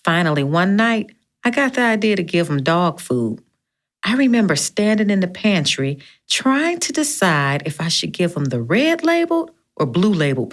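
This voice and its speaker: A woman voicing a sassy, bawdy woman friend in an audiobook, swearing freely as she tells a story. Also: lowish voice. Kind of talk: audiobook character reading.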